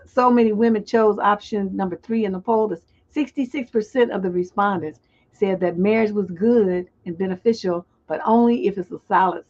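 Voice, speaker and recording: A woman relationship coach hosting a live call-in stream, chatting loosely and reading viewers' comments aloud. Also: medium pitch. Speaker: relationship coach and show host. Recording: dull lo-fi stream audio.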